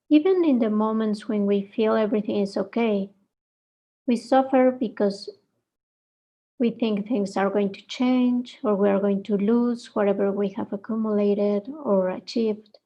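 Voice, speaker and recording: A woman guides a meditation in a soft, dark-toned and relaxed voice. She speaks very slowly, leaving pauses between short phrases. A marked creak runs through her gentle delivery. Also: a little high.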